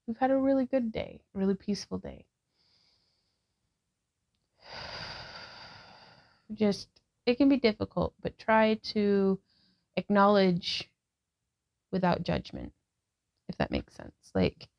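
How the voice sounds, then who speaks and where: A woman in her thirties guides a yoga practice in a calm, gentle way, with a gravelly fry running through her mid-pitched voice. The recording sounds a little dull and lo-fi. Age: 30s. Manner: calm, gentle cueing with breath prompts. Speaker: yoga vlogger and instructor.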